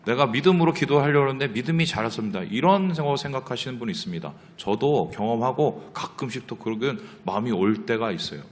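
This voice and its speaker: A man's voice: mid-range voice, fast, hardly any pauses. A man preaching a sermon as pastor of his church, asking the congregation questions and acting out the lines of people in the story. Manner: lively, asks the congregation questions and acts out quotes. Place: church sanctuary. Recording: hall reverb from the church. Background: congregation reading aloud together.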